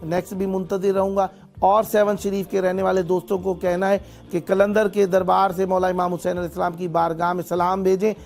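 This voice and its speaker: A man's voice: sits high, level tone, vocal fry, a little mellow, soft background music. A man hosting a live TV call-in show, thanking callers with blessings and explaining things on air, stumbling now and then over foreign place names. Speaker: TV call-in host.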